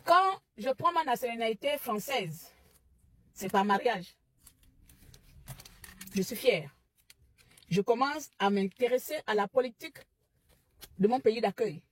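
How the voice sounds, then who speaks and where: A woman from Gabon with a Gabonese French accent, delivering an impassioned opinion monologue that rises to loud rhetorical outbursts. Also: fairly high pitch, lively intonation, measured pace, pauses often, a little hiss or hum. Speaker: commentary vlogger.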